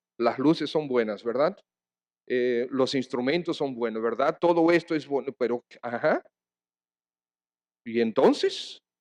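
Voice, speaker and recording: In a dry, close sound with no echo, a man of medium pitch talks at a fairly slow pace with ordinary pitch variation and long, frequent pauses. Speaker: pastor. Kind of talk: sermon. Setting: church.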